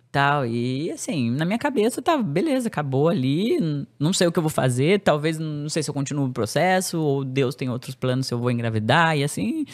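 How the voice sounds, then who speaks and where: A woman guest on a podcast, telling a personal story in casual, slangy speech and acting out the quoted lines with big jumps in pitch. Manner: animated, acts out quoted dialogue with sharp pitch jumps; casual slangy speech, many fillers and restarts.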